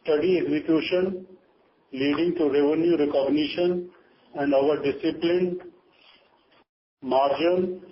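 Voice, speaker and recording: An Indian man delivers prepared earnings remarks in a formal, scripted way. His voice sits a little high for a man. The sound is a dull, lo-fi conference call with faint noise. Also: fairly even intonation, unhurried, pauses often. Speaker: company chief giving earnings remarks. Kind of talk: formal prepared corporate statement read aloud.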